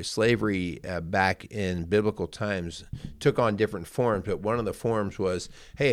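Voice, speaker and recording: Low-voiced man, dry close sound. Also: no echo. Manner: relaxed, folksy, jokey. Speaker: podcast co-host. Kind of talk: casual faith discussion and Bible reading.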